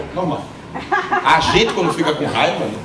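A man's speech comes through audible room echo, with noticeable background noise as well. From northeastern Brazil. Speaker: stand-up comedian. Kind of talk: stand-up comedy. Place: stage.

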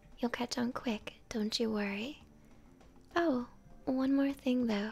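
A soft-spoken woman with a high pitch talks at a moderate pace, her intonation fairly even. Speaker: streamer. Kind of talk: reading game dialogue aloud. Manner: soft close-mic ASMR reading voice. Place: home room. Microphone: studio mic.

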